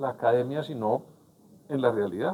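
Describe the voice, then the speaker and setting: With ordinary pitch variation, the man's speech unfolds at a moderate pace. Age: 60s. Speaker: political analyst. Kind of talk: interview.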